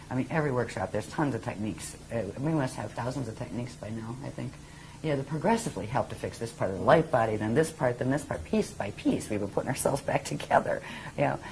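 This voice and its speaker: Against noticeable background noise, a woman with an American accent and a very deep, low pitch talks very fast with lively intonation. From Pennsylvania, US. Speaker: spiritual teacher. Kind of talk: interview.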